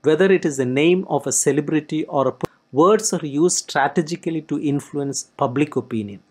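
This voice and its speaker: Narrator for a read-aloud theory summary; mid-pitched, even delivery that stumbles now and then and repeats phrases. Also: a little fast, slightly rough. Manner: steady reading with frequent restarts and repeated words.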